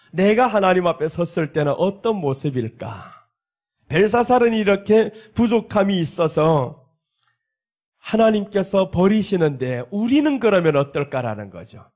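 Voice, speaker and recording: A man's voice: high voice, darkish tone. A male pastor preaching a revival sermon with emphasis, acting out the lines of the people in his story. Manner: emphatic, acts out quoted lines.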